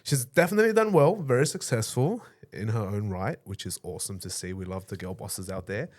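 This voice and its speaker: A man's voice: fairly low pitch, a little fast. A man in his late twenties hosting a podcast, upbeat and playful as he chats with a guest. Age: late 20s. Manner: upbeat and playful, laughs along. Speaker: podcast host. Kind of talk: casual interview chat.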